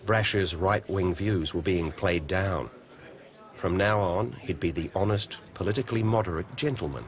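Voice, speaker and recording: A man giving even, deliberate scripted documentary narration. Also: low-pitched.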